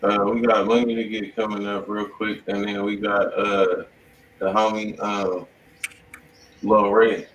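A low-pitched American man banters in loose slang as a livestream co-host. He sounds set back from the mic in an echoey room. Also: level tone, a little slow, fairly bright tone, highs cut off. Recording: roomy, distant mic, faint noise.

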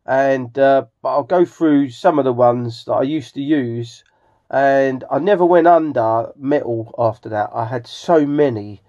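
Slow, mellow middle-aged Englishman. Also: mid-range voice. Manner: halting, hesitant, with frequent throat clearing. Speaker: hobbyist video host. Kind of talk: casual rambling vlog narration. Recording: slightly dull home recording.

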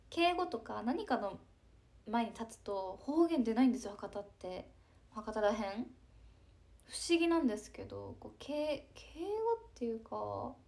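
A young woman, chatting casually on a live stream, breezy and talkative with soft asides. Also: fairly high pitch. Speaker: idol livestreamer reading chat comments.

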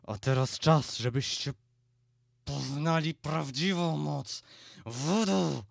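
A man's voice: a little high, sing-song, moderate pace, no room sound, studio quality. A man voicing a boastful male skeleton voodoo god with a theatrical, raised voice. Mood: bellowing.

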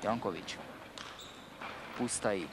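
Man, sports commentator, clipped play-by-play, lowish pitch, noisy indoor hall recording. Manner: terse, clipped calls of players' names. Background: sports hall noise, bouncing ball.

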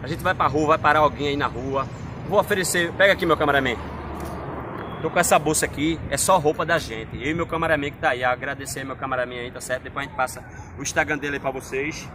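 A man hosting a street prank video, talking quickly and insistently as he presses strangers. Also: on the high side. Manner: insistent, pleading, fast-talking. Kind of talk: street prank, persuasive chatter. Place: outdoors on a city street. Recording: street noise from passing cars. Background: traffic noise.

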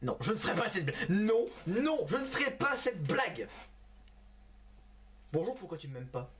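Laughing, excitable young French gamer man. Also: sits high, normal speed. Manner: giggly, exclaiming, talking to a chatbot. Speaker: gaming video host. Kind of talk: casual gaming commentary.

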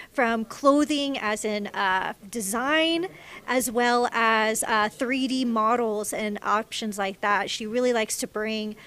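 A woman, presenting off the cuff on camera with frequent hesitant pauses. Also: on the high side, fairly bright tone. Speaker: exhibit presenter. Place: large indoor exhibition room. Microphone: handheld microphone.

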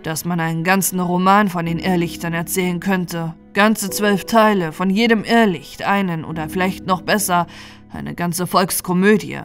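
A woman's voice: on the low side, steady tone, normal speed, natural voice. Mature poet read by a woman, wry, resigned and hesitant, storybook reading over music. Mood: musing.

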